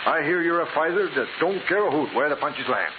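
An actor playing a folksy, plainspoken rural sheriff and farmer with rustic grammar and a drawl, in a 1940s radio drama. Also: male voice, on the high side, expressive, brisk, phone-quality sound, natural voice. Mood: folksy, frank. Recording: noisy, hissy, thin 1940s radio recording.

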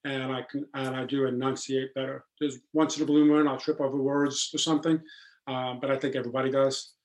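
A man with a deep voice talks as a podcast guest. His delivery is earnest and steady, with little rise and fall and frequent ums and restarts. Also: fairly quick. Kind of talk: casual podcast conversation.

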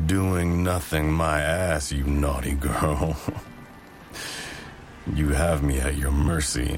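A man playing a doting, seductive new husband in a romantic audio role-play, murmuring intimately right into the listener's ear. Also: full character voice. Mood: teasing, aroused. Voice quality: deep, gravelly. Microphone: very close microphone.

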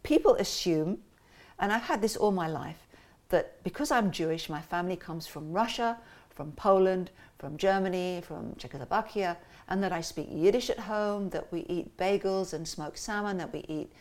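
A woman telling family and cultural stories as an interview guest in a lively, animated way. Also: on the low side, normal speed, hardly any pauses. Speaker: interview guest, musician and cartoonist. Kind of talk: casual conversational interview.

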